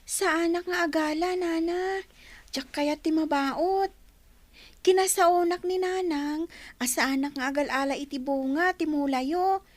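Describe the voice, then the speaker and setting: A woman's voice: extremely high pitch, fairly even intonation, a little slow, no room sound. A woman voicing a timid, polite small child in an audio drama.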